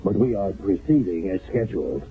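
An actor playing a weary, skeptical but sympathetic army captain in a radio drama, with a gravelly voice. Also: male voice, deep voice, expressive, fairly quick, exaggerated voice. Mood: grave, insistent. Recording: muffled, narrow-band old radio broadcast.

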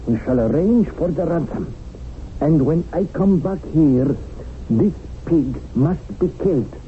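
Imperious revolutionary commander, higher voice. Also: male voice, expressive, a little slow. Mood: stern, commanding. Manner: imperious, patronizing. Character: domineering, fanatical male revolutionary party commander. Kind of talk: 1970s radio drama acting. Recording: muffled, noisy 1970s radio broadcast.

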